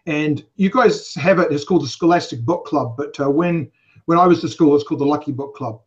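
A man's voice: fairly high pitch, brisk. A man in his forties from England, raised in New Zealand, with an English accent tinged by New Zealand, talking as a guest in a casual podcast interview, rambling with many fillers and wry asides. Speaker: convention organizer, guest. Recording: dull lo-fi podcast audio.

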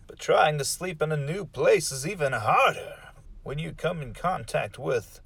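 A man's voice: a little high, expressive, measured pace, creaky, a bit bright, breathy edge, dry recording. A man hosting a horror-comedy show in a campy, theatrical manner. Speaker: podcast host.

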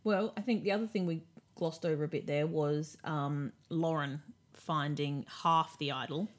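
A woman with a fairly low voice talks over a reality show episode in relaxed podcast chat. She is dry and wry, and lays out her points in a measured way. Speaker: podcast co-host.

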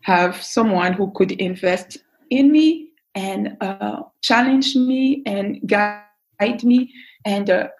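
A woman from Belgium, a guest on an interview podcast, telling her life story in an earnest, thoughtful way with frequent pauses and fillers. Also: medium pitch, low-quality recording. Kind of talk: casual personal storytelling.

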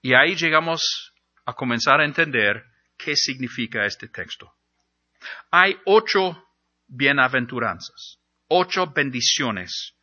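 Bright-voiced male preacher. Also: mid-range voice, expressive, slow pace, dull audio. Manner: earnest, explanatory preaching with rhetorical questions. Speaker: pastor. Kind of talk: sermon.

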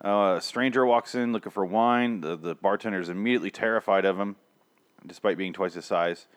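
A man's voice: sits low, a little fast. A man co-hosting a podcast, recapping an episode in casual chat, sarcastic and swearing. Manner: sarcastic, swearing, acting out quotes. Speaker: podcast co-host.

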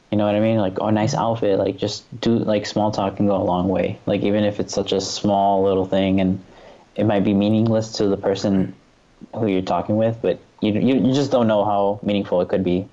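New york guy, low flat voice, says like a lot, kinda dull lo-fi sound. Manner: earnest, full of "like" and "you know". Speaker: guest photographer. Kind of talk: casual conversation.

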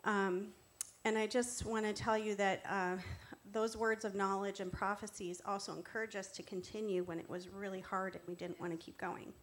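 A woman's voice: medium pitch, level tone, moderate pace, few pauses. A woman preaching in a conversational style, earnest and instructive as she encourages her listeners. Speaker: preacher giving testimony. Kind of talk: conversational sermon.

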